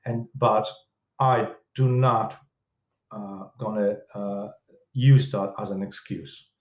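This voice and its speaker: A man from Poland with a Polish accent, a film director and producer, talking as a guest in a casual interview, halting and restarting often with broken grammar. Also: lowish voice, steady tone, reverberant. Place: room in London.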